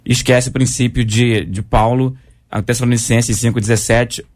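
A man's voice: medium pitch, steady tone, moderate pace, a little mellow. A man, a pastor, teaching on a talk show and citing Bible verses as he explains. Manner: explanatory, cites scripture verses.

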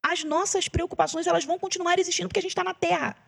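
A woman's voice: extremely high pitch, fairly even intonation, rapid-fire, creaky. A Brazilian woman who is a gospel singer, sharing an emotional testimony in a casual chat and repeating phrases for emphasis. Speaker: gospel singer, podcast guest.

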